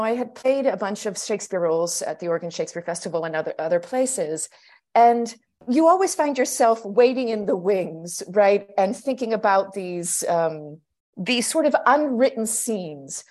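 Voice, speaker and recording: A woman from Pittsburgh talks as a podcast guest, her mid-range voice thoughtful and measured. She takes her time and laughs softly now and then. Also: mid-range voice. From United States (Pittsburgh). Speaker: guest, stage actor. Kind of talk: casual podcast interview.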